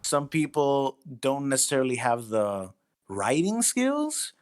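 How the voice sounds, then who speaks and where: A man being interviewed as a writer, explaining himself casually in a thoughtful, somewhat halting way. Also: medium pitch, huge pitch swings, darkish tone.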